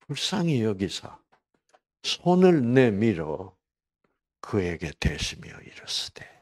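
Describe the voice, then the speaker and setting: A man's voice: lowish voice, very animated, slow pace, darkish tone. A man giving a conversational Bible lecture at a health program. He poses rhetorical questions and addresses listeners by name.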